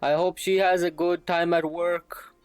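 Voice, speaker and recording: A man's voice: high voice, level tone, measured pace, smooth, no room sound. A man doing casual gaming stream commentary, rambling and thinking aloud with some salty language. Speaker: game livestreamer.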